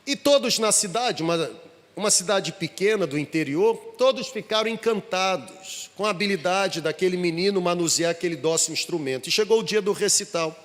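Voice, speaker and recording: Brazilian man, guest pastor, sermon storytelling, very high bright voice, long church-hall reverb. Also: a little fast. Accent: Brazilian Portuguese. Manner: animated, addresses congregation directly. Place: large church auditorium.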